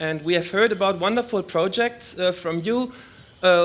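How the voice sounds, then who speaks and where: At a moderate pace, a man with a German accent and a high pitch speaks with fairly even intonation. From Germany. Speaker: academic researcher. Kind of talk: conference commentary. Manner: hesitant, with many fillers.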